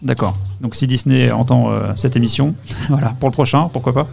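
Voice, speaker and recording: A man's voice: mid-range voice, fairly even intonation, a little fast, gravelly, a little mellow. A man hosting a live radio interview, chatty, laughing often and using many fillers. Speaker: radio host.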